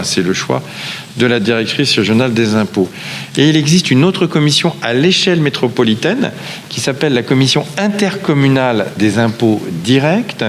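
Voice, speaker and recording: A man chairs a council meeting, explaining formally with hesitant, repeated phrasing. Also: medium pitch. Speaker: local official chairing a town council meeting. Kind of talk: formal council presentation, semi-improvised. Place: large echoing meeting room. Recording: reverberant hall, background noise.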